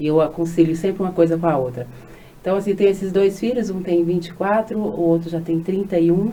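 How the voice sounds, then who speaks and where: A woman speaking at a fairly quick pace with ordinary pitch variation, over noticeable background noise. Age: 50s. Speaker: funeral services professional. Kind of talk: interview.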